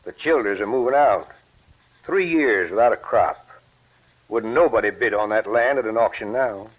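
A man's voice: fairly low pitch, normal speed, close to an everyday voice. An actor playing a weary middle-aged wheat farmer talking to his son in a 1940s radio play, with plain country grammar. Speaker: farmer and father. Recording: muffled old radio recording.

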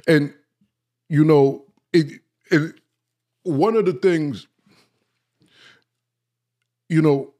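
A man hosting a casual talk show, speaking straight to his audience, often checking in with "right?" and "okay?" and stumbling over his words when he gets excited. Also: a little high, extremely slow, long pauses. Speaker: host. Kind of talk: casual talk, live-stream lecture.

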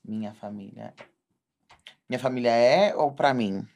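A woman's voice: very deep voice, measured pace, gravelly. A woman co-hosting a podcast, playful and exclamatory as she banters through a word game. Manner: expressive, exclaims a lot, playful. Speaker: podcast co-host. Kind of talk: casual chat.

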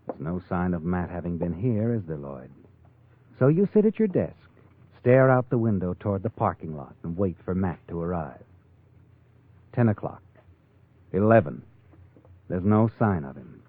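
A man's voice: deep voice, slightly rough, heavily acted. An actor playing a sly, ominous male narrator who taunts a guilty man in a 1940s radio drama. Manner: insinuating, taunting tag questions. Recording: tinny vintage radio broadcast. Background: dramatic music.

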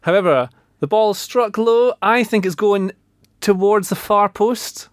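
Male pundit, slightly higher voice, animated, playful, dry close mic. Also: unhurried, no echo. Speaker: pundit, former striker. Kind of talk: football podcast chat.

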